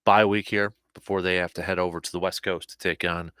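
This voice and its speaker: A man with a low voice hosts a casual sports talk show, slightly hoarse and animated, often repeating himself as he restarts his sentences. The sound is dry and close. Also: a little fast, dry recording.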